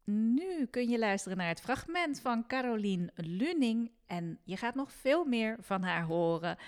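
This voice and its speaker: A woman's voice: medium pitch, clear, resonant tone. A woman hosting a podcast in a conversational presenting style. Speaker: podcast host. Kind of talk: conversational podcast presenting with short read-aloud story.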